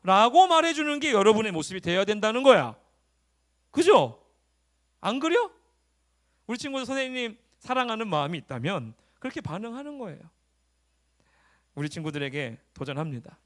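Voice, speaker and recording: A man preaching as youth pastor at a high school Sunday service, exhorting the teens in a lively, casual way. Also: fairly quick, pauses often. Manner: animated, exhorting, speaks to teens in casual banmal. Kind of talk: sermon to high school students. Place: church service.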